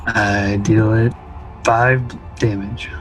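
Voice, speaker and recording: A man's voice: fairly low pitch, flat delivery, very slow, music in the background. A man speaking informally and conversationally as a player in a tabletop roleplaying game. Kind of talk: casual game-table talk.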